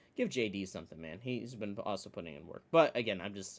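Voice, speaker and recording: A man with a fairly low pitch at a very fast pace. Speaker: wrestling commentary youtuber. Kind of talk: casual predictions monologue. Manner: animated.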